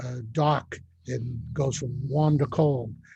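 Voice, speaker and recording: A man's somewhat breathy, medium-pitched voice at a very slow pace, with fairly even intonation. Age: 60s. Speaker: online challenge host, business founder. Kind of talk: online workshop talk. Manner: halting, many fillers.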